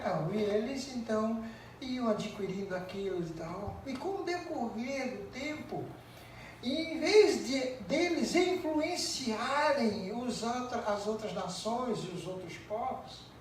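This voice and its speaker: A Brazilian man preaching a sermon as pastor, talking in a conversational storytelling way with frequent tag questions. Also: extremely high pitch. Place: church sanctuary. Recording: very echoey church, distant mic, faint noise.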